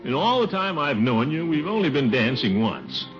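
An actor in a 1950s radio sitcom plays the title character, a pompous middle-aged bachelor wooing his sweetheart, in a fairly high, very animated male voice at normal speed. He sounds coaxing and blustery, with faint music behind him and the dull sound of an old broadcast.

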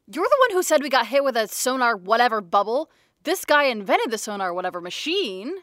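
A young woman in a scripted audio drama, teasing her friends with quick banter. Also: on the high side, big pitch swings, a bit bright, no room sound, studio quality.

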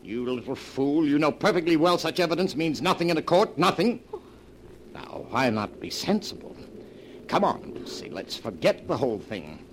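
An actor playing a guilty, suspicious husband in an old-time radio drama, with a theatrical, edgy delivery. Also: male voice, lowish voice, wildly swooping pitch, normal speed, a little hiss or hum, poor audio. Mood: agitated, urgent.

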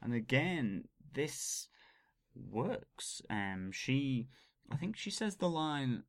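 A man's voice: medium pitch, sing-song, drawn-out words, dry recording. A man from England co-hosting a podcast, explaining things at length and laughing at himself. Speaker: podcast co-host. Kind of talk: casual podcast chat.

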